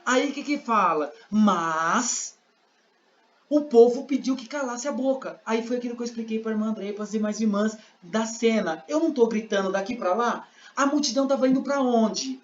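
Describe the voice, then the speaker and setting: A man's voice: high voice, moderate pace, slight background noise. A man with a Brazilian Portuguese accent giving a classroom lesson, explaining with examples and acting out scenes. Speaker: sign language interpreting teacher. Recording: roomy, dull lo-fi sound.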